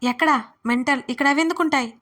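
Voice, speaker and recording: A woman's voice: a little high, fairly even intonation, a little fast, natural voice. A woman voicing a brusque, bossy young man who scolds and teases in an audio story. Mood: bossy teasing. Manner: gruff, teasing, bossy.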